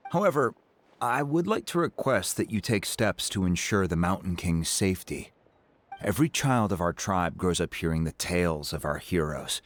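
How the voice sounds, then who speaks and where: An actor playing a dignified, earnest middle-aged tribal chief in a video game, speaking formally and courteously. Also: male voice, low-pitched.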